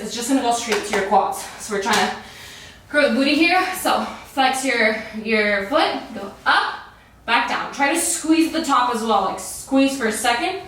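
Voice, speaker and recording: Straining through the exercises, this fitness coach keeps her workout cheerful, supportive and relaxed. She has a high, slightly bright voice. The mic sits far away in a room full of echo.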